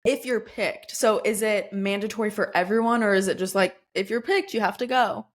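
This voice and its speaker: A woman's voice: mid-range voice, moderate pace. A woman hosting a podcast in a bubbly, chatty way, laughing often and using many likes and ums. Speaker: podcast host. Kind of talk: casual interview chat.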